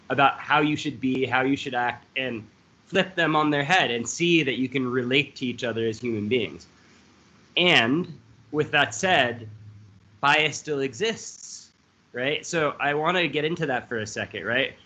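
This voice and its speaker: A man's voice: medium pitch, sharp tone. A man moderating a panel in an enthusiastic, conversational way, often checking in with "right?"; English is his second language. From Lebanese immigrant family. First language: not English. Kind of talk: casual panel discussion. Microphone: video call. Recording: muffled lo-fi video call audio.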